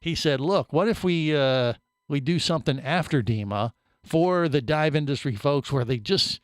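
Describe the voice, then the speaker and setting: A middle-aged man hosts a radio show from a studio, rambling through a funny story. His voice is smooth and clear, and the sound is dry and close. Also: on the high side, normal speed, no echo. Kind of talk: casual studio banter.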